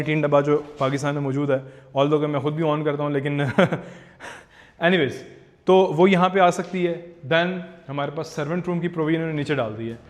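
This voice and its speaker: A man with a Pakistani Urdu accent hosting a walkthrough house tour outdoors. He chats directly to viewers and drops English phrases into his talk. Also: fairly high pitch. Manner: chatty, code-switching into English, addresses viewers directly.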